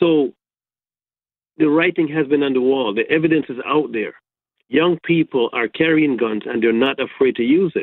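A man with a fairly high pitch talks at a moderate pace with ordinary pitch variation and long, frequent pauses. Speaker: gun violence prevention founder, guest. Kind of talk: radio interview.

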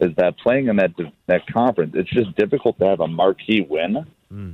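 A man speaks with a fairly low pitch. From Chicago. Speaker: sports betting entrepreneur. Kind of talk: casual chat. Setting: phone call.

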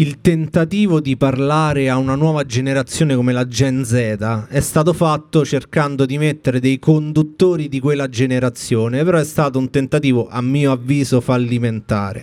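Speaking with a Roman accent, a man talks with hardly any pauses. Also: medium pitch for a man, ordinary pitch variation, moderate pace. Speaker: podcast host. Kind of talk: casual interview.

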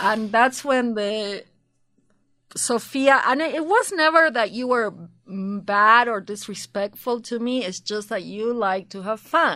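Speaking fairly slowly with an Argentine accent, a woman shows ordinary pitch variation and big swings in loudness. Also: fairly high pitch for a woman, very clean recording, silent background. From Argentina. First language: Spanish. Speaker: host's mother. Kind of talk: casual chat. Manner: laughs often.

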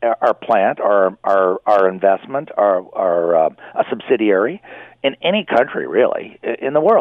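This man speaks with a Canadian accent. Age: 60s. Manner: animated.

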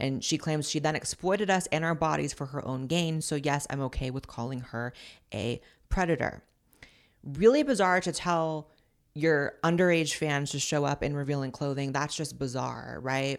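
A woman's very deep, low voice in an American accent, animated in tone, with ordinary pitch variation at a moderate pace, on a very clean recording with a silent background. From US rural small town. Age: 20s. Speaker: podcast host. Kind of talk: casual commentary monologue.

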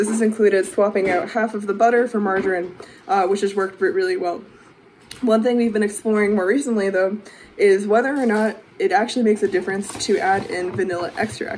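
Someone with an American accent speaks at a very fast pace with fairly even intonation over noticeable background noise. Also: woman, medium pitch for a woman. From Western Massachusetts, US. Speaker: listener asking question.

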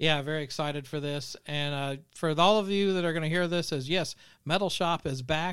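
A plain, everyday voice keeps fairly even intonation at a fairly quick pace. Nothing sounds in the background, and the recording is very clean. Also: man, fairly high pitch for a man. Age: 40s. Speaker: podcast co-host. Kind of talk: casual interview.

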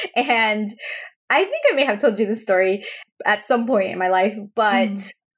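A woman speaks with a Spanish accent and fairly even intonation. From Texas (Spring), Mexican-American family. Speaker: investment executive. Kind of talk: interview, reflective conversation.

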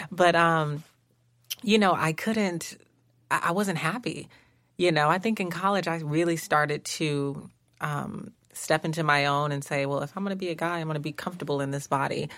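A woman's ordinary speaking voice, fairly low in pitch, with an American accent, ordinary pitch variation and a moderate pace, on a very clean recording with a silent background. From Chicago, South Side. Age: 20s. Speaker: actress and musician. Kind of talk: casual interview.

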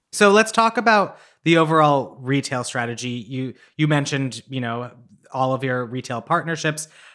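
With an American accent, a man speaks at a moderate pace in a fairly high, bright and sharp voice with lively intonation, in a very clean recording with a silent background. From Massachusetts. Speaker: podcast host, trade editor. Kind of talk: podcast interview.

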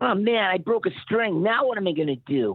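A put-on character voice sits at a middle pitch, nasal and whiny in tone. It moves at a fairly quick pace. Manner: whiny, complaining.

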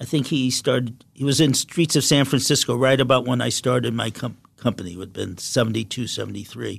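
There is vocal fry in this man's medium-pitched voice. His intonation is fairly even. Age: 80s. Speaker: Hollywood publicist. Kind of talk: interview storytelling. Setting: studio.

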